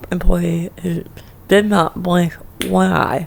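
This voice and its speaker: Noticeable background noise accompanies this clip. A woman speaks very slowly. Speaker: cancer survivor. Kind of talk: interview. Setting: studio.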